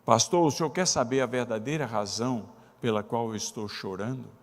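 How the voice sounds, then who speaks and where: A man's voice: mid-range voice, a little fast, lightly acted. A man voicing a grieving, devout old widow who speaks earnestly to her pastor, in a church hall. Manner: earnest, pleading address. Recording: long reverb of a church hall.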